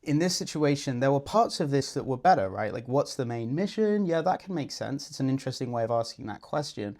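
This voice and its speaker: A man's voice: medium pitch, expressive, a little fast, a little mellow. A man working as a dating coach, confidently explaining and breaking down a client's approach. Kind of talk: video breakdown commentary.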